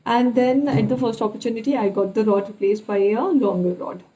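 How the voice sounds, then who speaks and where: A young woman with an Indian English accent, telling personal experiences in a casual vlog style and pausing often to recall details. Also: fairly high pitch, dark tone, low-quality recording. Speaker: vlogger.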